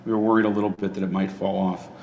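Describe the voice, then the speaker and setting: A man's voice: low voice, little pitch movement, racing, darkish tone. Man in a big, echoey hall. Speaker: guest presenter. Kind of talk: casual live demonstration. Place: large indoor social hall. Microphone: conference camera microphone, away from the mouth. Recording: echoey hall from far off, noisy.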